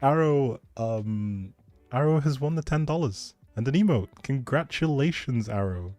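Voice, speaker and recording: A man's voice: medium pitch, lively intonation, a little slow, mellow, dry recording, faint music behind. A man hosting a livestream in a chatty, rambling, informal way, as if talking casually with viewers. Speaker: livestream host. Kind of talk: casual livestream chat, giveaway announcing.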